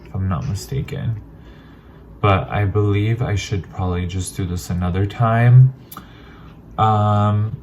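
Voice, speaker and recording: A man with a fairly low voice talks through an unboxing in loose, rambling chat. He pokes fun at himself as he goes. Faint music plays under him. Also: a little mellow. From Armenian heritage. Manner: chatty, rambling, self-deprecating. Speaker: vlogger.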